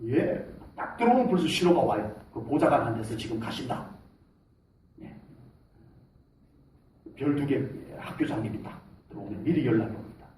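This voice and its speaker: A middle-aged man preaching a sermon as pastor in a church, talking with lively gestures of voice and shouting out salutes as he acts out soldiers. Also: medium pitch, brisk, long pauses, slight background noise. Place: church sanctuary. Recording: echoey hall, mic from a distance.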